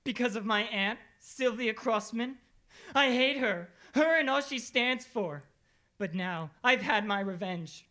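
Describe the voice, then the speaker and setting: A woman's voice: on the high side, unhurried, bright, forceful tone. A woman playing a gloating, menacing young male murderer in an old-time radio drama style. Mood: cold menace.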